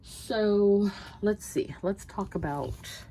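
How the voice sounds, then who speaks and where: A woman's voice: mid-range voice, extremely slow, mellow, breathy edge, rough recording. A young woman chatting through her monthly budget check-in, rambling with lots of ums, sounding stuffy and sniffly. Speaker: budget planner vlogger.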